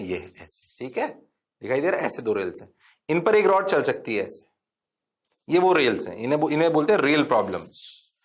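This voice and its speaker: A man teaching a physics lecture, playful, chanting formulas and answering himself in a mock student voice. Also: on the high side. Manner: sing-song repetition of formulas. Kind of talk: classroom lecture.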